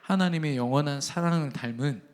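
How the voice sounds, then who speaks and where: Fairly high-voiced man preaching emphatically. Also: fairly quick. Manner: emphatic preacher who addresses the congregation directly; tells family anecdotes in a chatty way. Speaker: pastor. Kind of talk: sermon. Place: church sanctuary at a service.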